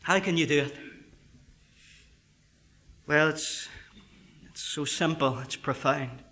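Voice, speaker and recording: A man preaches with passion, climbing to ringing, emphatic peaks before sinking back to quiet, earnest words. His voice sits a little high and has a bright, forceful edge. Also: slow pace. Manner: impassioned, rising to loud emphatic peaks then dropping soft. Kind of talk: sermon.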